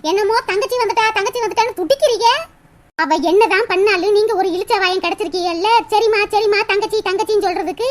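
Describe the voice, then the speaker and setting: A combative young wife from a cartoon, voiced by a woman, who answers everything with sarcasm and mocking laughter. Her voice sits very high and runs quick. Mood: scornful. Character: sharp-tongued young wife, scornful and combative. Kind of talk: cartoon voice acting.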